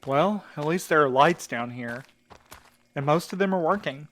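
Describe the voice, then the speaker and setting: A man's voice: on the high side, animated, moderate pace, a bit bright. An actor playing a hot-tempered, heartbroken man in an audio drama, blunt and exasperated in his delivery. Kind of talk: scripted audio drama acting.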